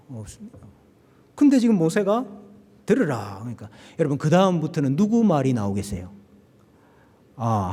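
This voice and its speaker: Animated preaching man in a reverberant hall. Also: medium pitch, husky. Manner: animated preaching, slows and swells on quoted scripture. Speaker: pastor. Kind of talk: sermon. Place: church sanctuary.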